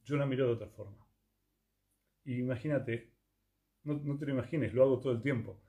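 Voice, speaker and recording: A man, teaching yoga and conscious communication in a calm, reflective talk full of rhetorical questions. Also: medium pitch, brisk. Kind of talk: reflective spiritual talk to listeners.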